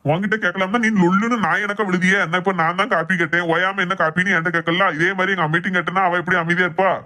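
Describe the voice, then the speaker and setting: A woman's voice: fairly low pitch, fairly even intonation, racing, bright, forceful tone. A woman playing an exasperated middle-aged husband, grumbling and sarcastic. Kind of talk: comic family skit.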